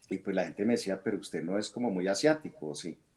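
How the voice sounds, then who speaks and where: The man has a dark, mellow tone and ordinary pitch variation. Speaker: oil company executive. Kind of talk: interview conversation.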